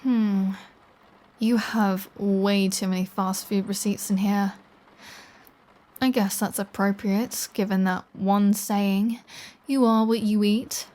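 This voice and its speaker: A woman's voice: mid-range voice, steady tone, slow pace, warm tone, lightly acted. A woman playing a flirty, playful vampire with a threatening edge, in a teasing, sardonic ASMR audio roleplay. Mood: teasing, nosy. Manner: teasing, sardonic, lingering delivery. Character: flirty, playful, threatening adult female vampire toying with a hunter. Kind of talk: scripted ASMR audio roleplay, one-sided conversation.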